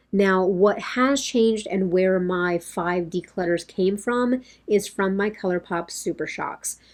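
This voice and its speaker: A woman in her thirties, slightly hoarse, chatting casually to camera in a rambling way from her home makeup room. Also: on the low side. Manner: rambling, talks with her hands. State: a bit hoarse, losing her voice. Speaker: beauty vlogger.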